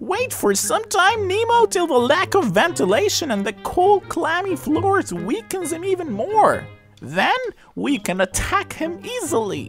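This cartoonish character voice is pitched extremely high and moves at a moderate pace. Music plays clearly in the background. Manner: gleeful, scheming.

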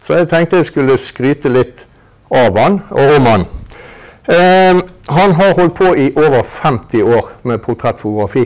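The background stays quiet. A man talks at a rather slow speed. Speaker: event host. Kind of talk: event introduction. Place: hall.

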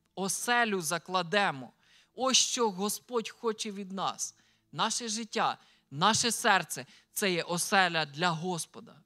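A man speaks in a raised, projected voice at a high pitch, his tone bright and sharp. He goes at a very slow pace with ordinary pitch variation over a quiet background. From Ukraine, Vinnytsia region; Ukraine. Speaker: pastor. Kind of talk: sermon. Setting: church. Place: church. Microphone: handheld.

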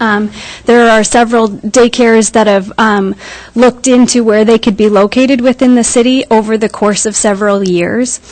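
At a moderate pace and a fairly high pitch, a woman speaks in a flat monotone with very even loudness, with noticeable background noise behind her. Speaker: member of the public. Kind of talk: public comment. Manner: quiet. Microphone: too far from the microphone.

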